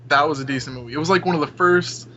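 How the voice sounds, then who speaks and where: A man's voice: a little high, rapid-fire, sharp tone. A man talking casually as a podcast panelist, blunt and irreverent, with some swearing. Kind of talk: casual chat. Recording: dull lo-fi voice chat, noisy.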